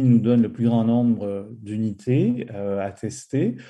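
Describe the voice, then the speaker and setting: The man's tone is dark and mellow, set against a quiet background. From Quebec. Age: 50s. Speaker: linguistics professor. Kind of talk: interview. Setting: studio.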